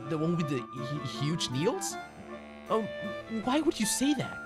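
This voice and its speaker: A woman playing a nervous, playful young twin in an audio drama, hesitant but quick to banter. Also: low voice, big pitch swings. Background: loud music.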